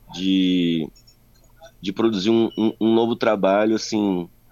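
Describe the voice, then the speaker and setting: A man speaks in an ordinary speaking voice at a fairly slow pace, his intonation fairly even. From Brazil, Espírito Santo (Vitória). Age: 30s. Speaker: musician. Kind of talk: interview. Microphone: occasional line dropouts.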